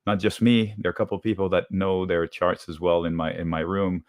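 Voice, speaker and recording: Low-voiced man explaining options trades. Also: little pitch movement, no room sound, studio quality. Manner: brisk, explains trades step by step. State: deep voice from a cold. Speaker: options trading guest. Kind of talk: live market show, trade walkthrough.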